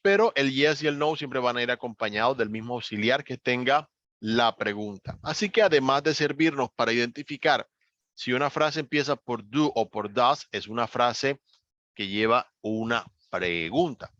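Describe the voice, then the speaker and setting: A man's voice: medium pitch, moderate pace, a bit bright, dry recording. A man teaching English grammar in an online class, explaining patiently step by step and lifting his voice on key words. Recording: dull, slightly lo-fi dry recording.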